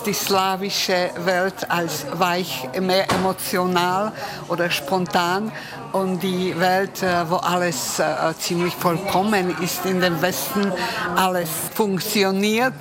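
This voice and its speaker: A woman interviewer putting questions to an author, sometimes halting over her phrasing. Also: lowish voice, fairly even intonation, music in the background.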